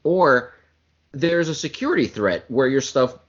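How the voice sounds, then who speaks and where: Lively, rambling podcast man. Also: medium pitch, unhurried, breathy edge, highs cut off. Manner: joking, rambling, self-mocking. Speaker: podcast co-host. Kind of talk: casual banter.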